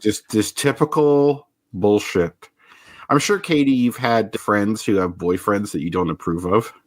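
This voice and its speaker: A man with a fairly low voice talks casually about a movie on a podcast, sharing relaxed opinions. The sound is dry and close to the mic. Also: a little slow, dry recording. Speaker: podcast co-host. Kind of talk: casual film commentary chat.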